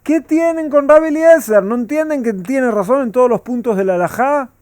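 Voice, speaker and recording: A thundering voice from heaven, as a man puts it on in a lesson, loud and proclaiming. It rings out high above ordinary speech with great authority. The sound is close and dry. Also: a little fast, clear, resonant tone, dry recording. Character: booming heavenly voice of God, male, commanding.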